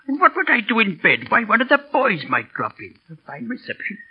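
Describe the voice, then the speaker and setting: A very old British man, a gentle, absent-minded schoolmaster in a radio play. His voice is high and creaky, faltering and wistful, on a muffled old broadcast. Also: wildly swooping pitch, fairly quick, full character voice. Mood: genial. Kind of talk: classic radio drama acting.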